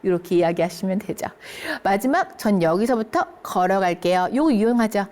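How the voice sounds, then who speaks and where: A woman teaching English phrases to older learners, speaking them slowly and clearly and checking in often with her listeners. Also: medium pitch, slight background noise. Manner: lively, encouraging, keeps checking in with listeners. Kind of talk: English lesson for seniors.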